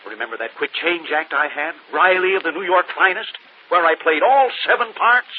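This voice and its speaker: A man playing a boastful old vaudeville quick-change man. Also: lightly acted. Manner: boastful, animated, dropping low when glum. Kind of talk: 1940s radio acting. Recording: dull old radio recording with faint hiss.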